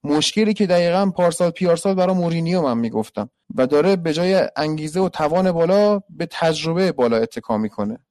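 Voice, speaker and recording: A man's voice: sits high, a little mellow, no room sound, studio quality. A man analysing football on a live stream, reading viewer questions and giving blunt, opinionated answers.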